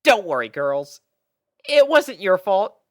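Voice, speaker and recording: A woman voicing a kindly but fretful young adult mare pony, expressive and reassuring, in a story reading. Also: mid-range voice, slow, no echo, clean studio sound, pitched above the performer's own voice.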